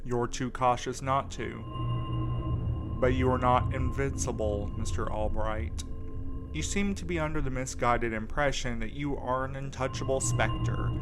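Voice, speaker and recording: A man's voice: mid-range voice, natural voice. Wry, reluctant actor-played man over prominent music. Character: reluctant, wry man on a road trip, easily disgusted. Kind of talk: audio drama acting.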